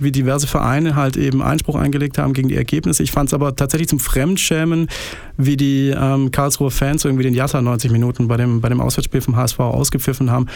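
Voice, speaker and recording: A man's voice: medium pitch, vocal fry, darkish tone, no echo. A man from Baden, a podcast guest in a studio, telling a rambling, self-mocking story full of fillers. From Baden, Germany. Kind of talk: casual storytelling chat.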